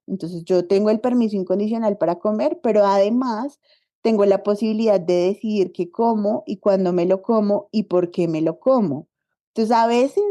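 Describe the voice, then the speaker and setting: A Colombian woman who is a body diversity activist joins a podcast as a guest in a casual conversational interview. Her relaxed, mellow, medium-pitched voice is chatty and expressive, and she tells stories animatedly, acting out quoted dialogue.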